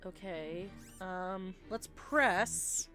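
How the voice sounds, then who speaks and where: A woman's voice: mid-range voice, extremely slow. A woman hosting a let's play, reading video game dialogue aloud and chatting casually. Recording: game music behind. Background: video game music.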